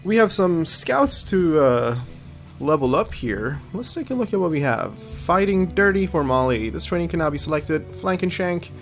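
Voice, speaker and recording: A man's voice: a little high, very animated, normal speed, faint music behind. A man hosting a let's-play video, a little sniffly from a cold, thinking aloud and reading game text with frequent ums. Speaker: gaming video host. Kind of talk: casual let's-play commentary.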